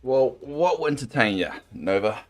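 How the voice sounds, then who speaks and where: A young adult man with a New Zealand accent and a deep, soothing voice, chatting casually and self-deprecatingly with his viewers while playing a game. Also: big pitch swings, moderate pace, soft background music. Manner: rambling, self-deprecating, sympathetic. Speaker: game streamer.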